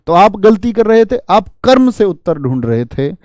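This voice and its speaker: A man's voice: high-pitched, big pitch swings, moderate pace, darkish tone, dry recording, clean studio sound. A man teaching a grammar lesson, asking his students questions and answering them himself. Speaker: Hindi teacher.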